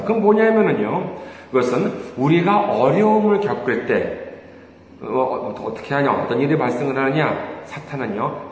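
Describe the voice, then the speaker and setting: A male pastor preaching a sermon, animated and full of rhetorical questions to the congregation. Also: medium pitch. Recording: echoey church hall, faint noise.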